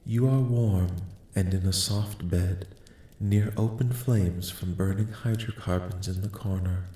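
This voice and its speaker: Man playing a soft-spoken, low, echoing alien interviewer. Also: steady tone. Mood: calm, clinical. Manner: formal, detached, measured, precise wording. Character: calm, curious, clinical male alien studying human dreams. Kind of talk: soft-spoken ASMR roleplay, scripted.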